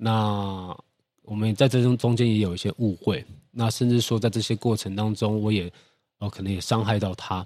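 A normal speaking voice at a moderate pace, fairly even in intonation, on a very clean recording with a silent background. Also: man, fairly low pitch for a man. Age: 30s. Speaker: guitar teacher sharing experience of depression. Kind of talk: personal testimony in interview.

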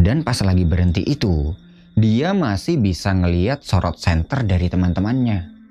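A man talks at a moderate pace with lively intonation. His voice is fairly low, with a dark, mellow tone. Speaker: horror storyteller. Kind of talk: horror story narration, told in casual Indonesian. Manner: conversational and suspenseful, telling it step by step.

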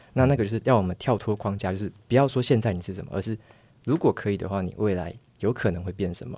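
Over a silent background in a very clean recording, a man with a fairly low pitch and a dark, mellow tone talks at a very fast pace with ordinary pitch variation. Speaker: book reviewer and blogger. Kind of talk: casual interview.

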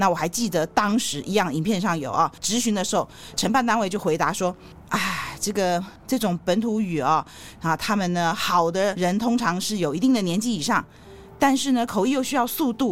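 A woman of medium pitch speaks at a moderate pace with lively intonation over noticeable background noise. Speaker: interpreter and podcast host. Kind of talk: casual interview.

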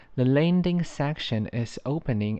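A man with a Chinese accent and ordinary pitch variation. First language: Mandarin Chinese. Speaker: English language teacher. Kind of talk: language-learning tutorial. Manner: slow, deliberate, repeating each sentence.

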